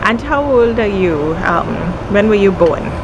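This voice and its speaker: A woman's voice: mid-range voice, animated, measured pace, highs cut off, very noisy. A woman asking short, direct questions in a documentary interview.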